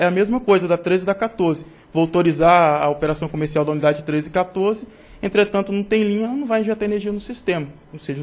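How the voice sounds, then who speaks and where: A man's voice: on the high side, a little mellow. A man with a Brazilian Portuguese accent, a regulatory board director explaining his reasoning methodically and assertively in a public meeting. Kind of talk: deliberative meeting discussion.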